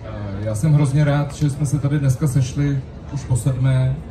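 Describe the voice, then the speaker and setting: A man giving a hesitant thank-you speech as an organiser on an open-air festival stage. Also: mid-range voice. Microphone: stand mic through PA, recorded from audience. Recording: noisy, echoey stage PA from far off.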